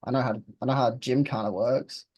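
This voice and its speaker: A man's voice: medium pitch, steady tone, quick pace, a little mellow, no echo. A man of twenty in a casual interview, talking bluntly and laid-back, dropping the odd swear word. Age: 20s. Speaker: interviewed client.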